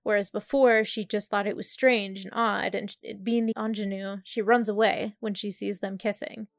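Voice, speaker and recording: A woman's voice: mid-range voice, flat delivery, normal speed. Chatty woman retelling a book's plot. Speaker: podcast co-host. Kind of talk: casual book discussion.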